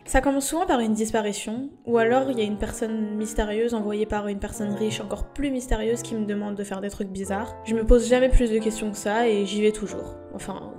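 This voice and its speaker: A woman's voice: mid-range voice, fairly even intonation, a little fast, few pauses, lightly acted. A woman voicing an ordinary man in his thirties, a passive and self-deprecating intellectual, telling his story in a matter-of-fact way. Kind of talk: scripted narration. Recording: music clearly behind the voice. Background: music.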